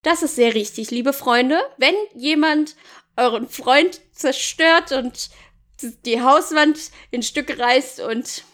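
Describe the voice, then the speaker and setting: A woman co-hosting a casual book-reading show, chatting with animated, expressive asides. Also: high voice, slow pace. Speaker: co-host reading a book aloud. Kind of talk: casual chat and reading aloud.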